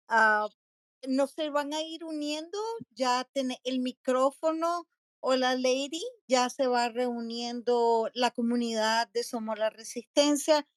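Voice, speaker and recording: Bright-voiced woman podcast host. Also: sits high, no echo. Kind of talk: casual interview chat.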